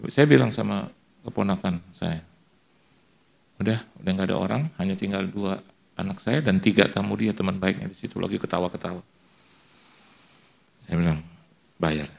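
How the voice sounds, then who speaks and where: Gravelly-voiced man preaching a story. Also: on the low side. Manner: animated storyteller, acts out dialogue, mixes in English phrases. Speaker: pastor. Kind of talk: storytelling sermon.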